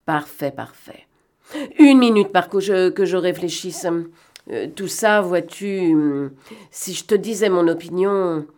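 Woman voicing a sly gentleman thief for an audiobook: bantering, sardonic, quick commands, pitch sitting a bit low. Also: lightly acted. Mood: mocking. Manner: bantering, sardonic, brisk orders. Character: cunning gentleman thief, man, mocking and commanding. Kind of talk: audiobook reading.

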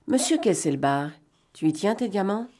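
A woman reading aloud and voicing a cunning male gentleman thief who talks in a mocking, bantering way and snaps out brisk orders. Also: mid-range voice, expressive, lightly acted. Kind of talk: audiobook reading.

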